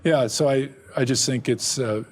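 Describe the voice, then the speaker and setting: A middle-aged man, a ministry operations director, speaking as a guest in a candid interview, halting with frequent restarts and fillers. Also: medium pitch.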